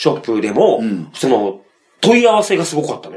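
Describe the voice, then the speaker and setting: At a moderate pace, a man's voice moves in very wide pitch swings. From Uwajima, Ehime, Japan. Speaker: comedian and radio host. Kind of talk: casual comedic radio chat.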